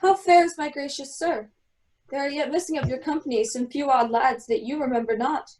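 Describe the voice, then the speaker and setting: Woman playing Prospero, very high-voiced and commanding. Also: normal speed, darkish tone, a little hiss or hum, close to an everyday voice. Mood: stately, reassuring. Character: Prospero, commanding wronged duke and magician, forgiving. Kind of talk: stage Shakespeare read as a radio play. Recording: distant from the microphone.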